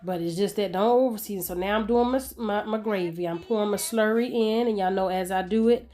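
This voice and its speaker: A middle-aged woman hosting a home cooking video, chatting in a relaxed, homey way and talking to her viewers as y'all while she cooks. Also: medium pitch, brisk. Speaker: home cook and channel host. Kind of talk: casual cooking tutorial narration.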